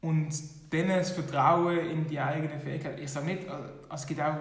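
A man with a fairly high pitch speaks at a fairly quick pace in a monotone, flat intonation. Noticeable background noise and audible room echo fill the recording. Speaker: football reporter. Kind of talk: interview.

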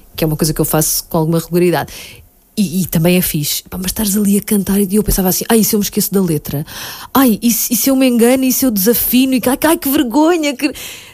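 A woman's somewhat breathy, medium-pitched voice at a very fast pace, with very wide pitch swings. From Portugal, Pinhal Novo (Setúbal area). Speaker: radio presenter and DJ. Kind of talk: casual interview. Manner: chatty, relaxed.

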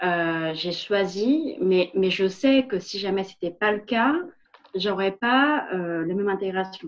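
A woman's medium-pitched voice carries lively intonation while she talks very slowly. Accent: Vietnamese. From Vietnam. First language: Vietnamese (speaking French). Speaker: finance professional. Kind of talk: interview testimony. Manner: halting, many hesitations.

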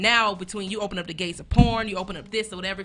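Talking very fast in a bright, sharp tone, a woman with an American accent uses a medium pitch and ordinary pitch variation. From Houston, Texas. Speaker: comedian, actor, producer. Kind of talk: casual interview chat.

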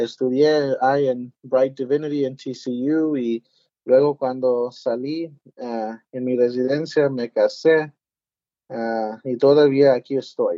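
A man speaks very slowly at a medium pitch. His intonation stays fairly even. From Texas, San Antonio. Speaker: bishop. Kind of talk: interview. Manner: halting.

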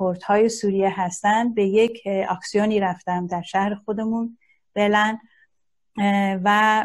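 Against a quiet background, a woman with an Azerbaijani accent speaks at a fairly slow pace. Her intonation stays monotone and flat. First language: Azerbaijani Turkish (speaking Persian). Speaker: language commentator. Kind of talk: talk to camera.

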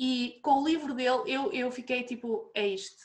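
A woman's high-pitched voice keeps to a moderate pace. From Portugal. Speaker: nurse and book blogger. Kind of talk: casual chat.

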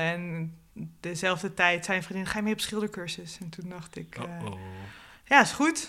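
A woman speaks with a fairly low pitch at a fairly slow pace. Her tone is bright and sharp. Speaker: painter. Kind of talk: casual chat.

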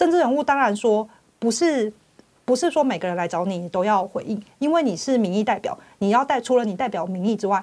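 In a plain, everyday voice, a woman speaks at a fairly quick pace with fairly high pitch and lively intonation. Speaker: legislative candidate. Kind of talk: interview.

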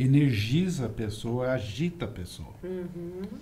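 A man talks at a very slow pace in a dark, mellow tone that is somewhat breathy. His pitch swings very widely, and the room echo is audible. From Brazil, raised in English-speaking expat community and English boarding school. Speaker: image consultant and art teacher. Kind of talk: interview.

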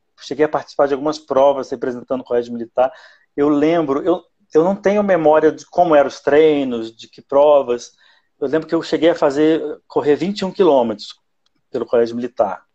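A man talks at a fairly quick pace in a fairly high voice, with ordinary pitch variation. It is a plain, everyday voice with big swings in loudness. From Brazil, Rio de Janeiro. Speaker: amateur marathon runner. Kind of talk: casual interview.

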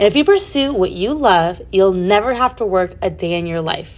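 A woman talks at a moderate pace in an animated tone, her pitch swinging very widely. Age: 20s. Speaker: podcast host. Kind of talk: solo podcast monologue.

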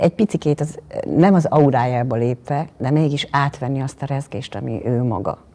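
A woman's very deep, low voice with a dark, mellow tone, ordinary pitch variation and a moderate pace. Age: 40s. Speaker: bodybuilder and actress. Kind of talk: interview.

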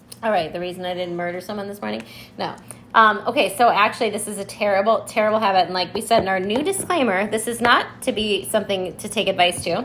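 Talking at a very fast pace, a woman with a medium-pitched voice keeps her intonation fairly even while her loudness swings widely over noticeable background noise. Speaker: podcast host. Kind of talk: casual chat. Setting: live small audience.

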